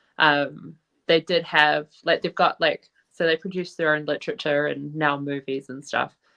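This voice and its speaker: In a New Zealand accent, a woman talks at a moderate pace with a very deep, low pitch and monotone, flat intonation. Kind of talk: interview answer.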